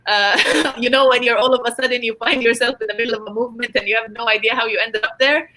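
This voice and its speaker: A woman's voice: a little high, fairly even intonation, quick pace, sharp tone, dry recording, rough recording. A woman hosting a live online panel discussion. She reads out viewer comments and answers them, and turns firm and passionate when she sets a point straight. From Sudan, grew up in Egypt. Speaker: panel host.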